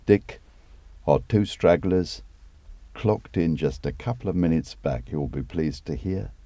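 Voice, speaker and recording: A man's voice: low-pitched, a little slow, warm tone, dry recording, pitched above the performer's own voice. A man reading an audiobook, voicing an obliging, practical male fixer who talks in a chatty, colloquial way. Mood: matey briefing. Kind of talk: audiobook character voice.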